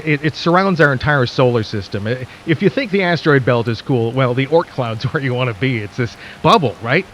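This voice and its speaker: A male actor plays a late-night radio DJ in a radio drama, a folksy man with a slightly higher-than-average voice. He talks to listeners intimately and conversationally, intrigued yet skeptical, leaving theatrical pauses. A faint hiss sits behind him. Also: highs cut off, close to an everyday voice. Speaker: radio host.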